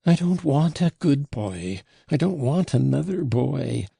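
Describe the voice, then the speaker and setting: A man's voice: medium pitch, big pitch swings, measured pace, gravelly, dark tone, breathy edge, dry recording, clean studio sound, voice pushed up, exaggerated voice. A man voicing an anguished father, a frenzied and broken army captain, with intense delivery in an audiobook. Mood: frenzied grief. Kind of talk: audiobook character voice.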